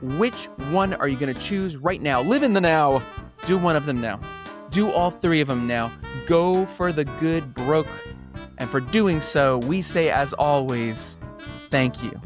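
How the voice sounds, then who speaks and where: A man's voice: on the high side, animated, measured pace, music in the background. A man hosting a podcast in an upbeat, conversational style, with a folksy, emphatic and playful delivery. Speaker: podcast host.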